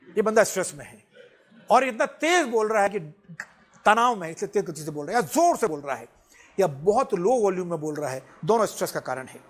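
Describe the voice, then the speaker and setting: A man giving an animated classroom lecture, mixing Hindi and English and often laughing as he explains. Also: high voice, a little fast. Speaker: personality development teacher.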